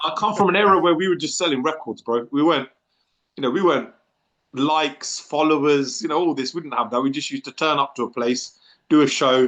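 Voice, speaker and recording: Spoken very fast with a London accent, the voice shows ordinary pitch variation. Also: man, fairly high pitch for a man. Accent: London accent, similar to host's. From North London, England. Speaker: rapper. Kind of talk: casual chat.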